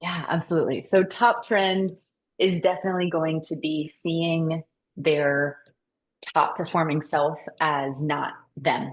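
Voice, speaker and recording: A woman with an American accent and a fairly low pitch speaks at a fairly slow pace with ordinary pitch variation and long, frequent pauses. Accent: Southern accent only when she chooses. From US South, North Carolina. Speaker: performance coach. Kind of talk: podcast interview.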